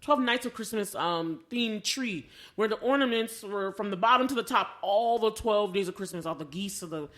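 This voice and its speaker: A woman chatting casually as a podcast co-host, telling stories in an animated, exclamatory way while reviewing a film. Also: medium pitch, normal speed, few pauses.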